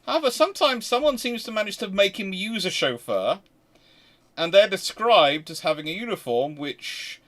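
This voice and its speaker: A man with a slightly high voice talks through history off the cuff. He is emphatic and rambling, breaking off and restarting sentences as he explains like a historian hosting a discussion. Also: animated, normal speed, fairly bright tone. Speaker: host and naval historian.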